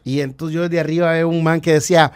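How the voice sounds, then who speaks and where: High-voiced man. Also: flat delivery, fast, a little mellow, smooth. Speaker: guest comedian. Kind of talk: casual storytelling. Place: dark podcast studio. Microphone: studio mic on desk stand.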